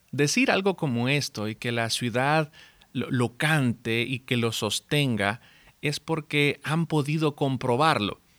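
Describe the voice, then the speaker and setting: A man speaks very slowly at a medium pitch, with ordinary pitch variation. The recording is very clean, silent in the background, with a dry, close sound and no echo. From El Salvador. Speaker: podcast host and Bible teacher. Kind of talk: devotional Bible teaching.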